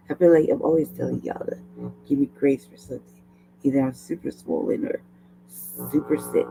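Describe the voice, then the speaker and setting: A woman host with a low, hoarse voice, chatting casually at a desk mic, rambling, laughing often and swearing. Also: moderate pace, noisy background. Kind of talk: casual livestream talk.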